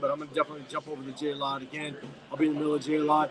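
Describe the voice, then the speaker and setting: A fairly high-pitched man with an American accent at a very fast pace, against noticeable background noise. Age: 40s. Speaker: sports YouTuber. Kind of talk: live stream commentary. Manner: casual, filler-heavy.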